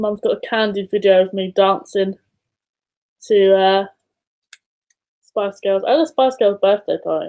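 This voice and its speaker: Over a dry, close sound with no echo, a woman with a dark, mellow tone and medium pitch speaks at a fairly slow pace, ordinary pitch variation and long, frequent pauses. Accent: Essex. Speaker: crafting YouTuber. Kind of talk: casual live chat. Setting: live stream.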